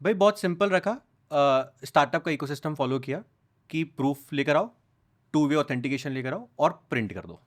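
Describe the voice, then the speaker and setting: A young man speaking as a podcast guest, with a slightly high voice. He tells his stories with animation and slips between Hindi and English in a loose, chatty way. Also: lively intonation, normal speed. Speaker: podcast guest, content creator. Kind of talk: casual podcast conversation.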